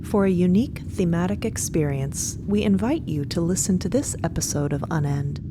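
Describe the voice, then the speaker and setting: A woman reading scripted fiction podcast narration in a measured, descriptive storytelling manner. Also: lively intonation. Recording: loud ambient rumble behind voice.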